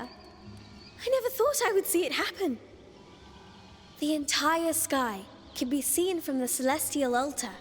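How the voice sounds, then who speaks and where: Curious young girl scholar, high voice, eager, friendly, video game acting, long reverb, faint music. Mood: excited, friendly.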